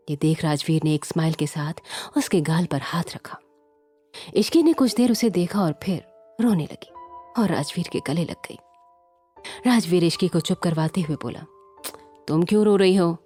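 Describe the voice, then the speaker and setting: A woman narrating a romance serial in a steady, expressive reading voice. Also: fairly low pitch. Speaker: storyteller. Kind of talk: scripted story narration.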